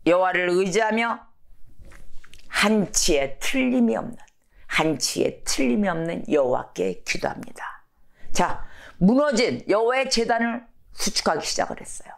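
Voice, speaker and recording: A woman pastor delivers a Sunday sermon as animated storytelling. Her pitch rises and falls widely. She keeps turning to the congregation with questions. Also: normal speed, creaky.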